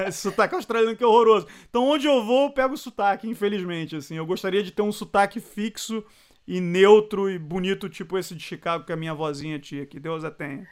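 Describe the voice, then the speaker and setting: A man, a sports journalist chatting as an interview guest. He is animated, laughs often and drops words from other languages. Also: high voice, a little fast. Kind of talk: casual interview chat.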